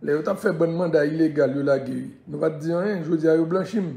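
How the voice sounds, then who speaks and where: A man's voice: fairly high pitch, fast talker, creaky, mellow, echoey room. A man from Haiti with a Haitian accent, chatting loosely on a live stream and repeatedly urging viewers to share it. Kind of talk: casual live-stream chat.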